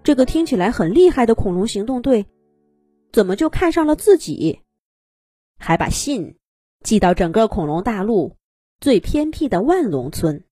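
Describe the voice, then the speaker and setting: Lively woman telling children's fairy tales. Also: fairly high pitch, moderate pace, husky, no room sound, clean studio sound, faint music behind. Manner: animated storytelling for young children. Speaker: children's story narrator. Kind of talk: expressive scripted fairy-tale narration.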